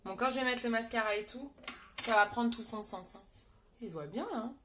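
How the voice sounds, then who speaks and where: A woman's voice: a little high, brisk, pushed and bright, slight background noise. A young French woman with a French accent, chatting with viewers as she hosts a live makeup tutorial. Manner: chatty, talks to viewers and reads comments. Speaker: makeup livestream host.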